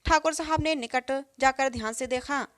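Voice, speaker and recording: Woman storyteller, high pitch, dry close sound; reads all the roles herself. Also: moderate pace, no room sound. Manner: reads every role in one even storytelling voice. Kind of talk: scripted story narration.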